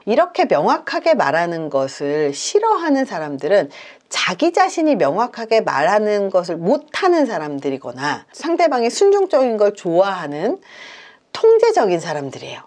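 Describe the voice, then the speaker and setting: A woman's voice: medium pitch, darkish tone. A woman psychologist giving advice on communication, explaining point by point in numbered steps. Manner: explains in numbered points, acts out example lines.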